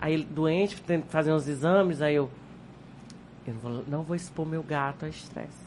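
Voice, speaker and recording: This is a woman's voice. She speaks with a Piauí accent. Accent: Piauí accent, sing-song. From Piauí, Brazil (Teresina). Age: 40s. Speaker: journalist and blogger. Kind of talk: podcast interview.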